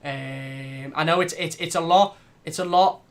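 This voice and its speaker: A man hosting a fan channel, chatting casually and reading out live comments, blunt and animated. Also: on the high side, measured pace. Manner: animated, blunt, swears lightly.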